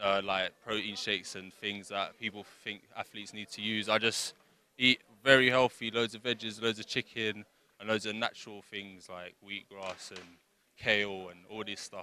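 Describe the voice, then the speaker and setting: Bright and sharp in tone, a man talks with a fairly low pitch, monotone, flat intonation and big swings in loudness. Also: moderate pace. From West London. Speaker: kickboxer. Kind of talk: interview. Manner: hesitant.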